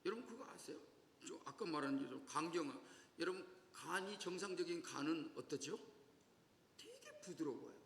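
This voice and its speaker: A male pastor giving a sermon in a church, lively and often asking the congregation questions. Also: on the high side, gravelly, a little hiss or hum. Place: church sanctuary. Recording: echoey church hall reverb.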